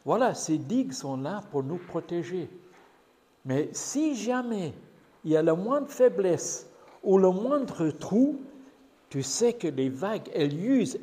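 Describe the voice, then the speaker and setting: An older man with an English accent, a guest preacher telling a gentle story to children in church. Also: on the high side. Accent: English-speaking. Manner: gentle, slow and lively storytelling. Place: church hall. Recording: church hall reverb, faint noise.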